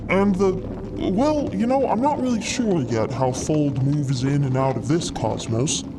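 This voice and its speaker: A man voicing an excitable, frog-like cosmic explorer who lectures wordily in a fiction podcast. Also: fairly high pitch, measured pace, background noise. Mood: eager. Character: eager, frog-like male cosmic explorer, gleeful theorizing savant. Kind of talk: acted fiction podcast dialogue.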